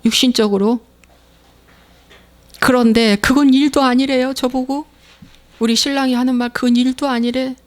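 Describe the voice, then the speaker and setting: A middle-aged woman pastor preaching a sermon, emphatic and repeating her phrases. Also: a little high. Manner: emphatic, repeats phrases, acts out inner voices.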